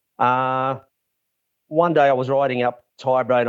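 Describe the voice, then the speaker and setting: A man speaks with an Australian accent. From Victoria, Australia. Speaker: model aircraft hobbyist. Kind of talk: casual chat.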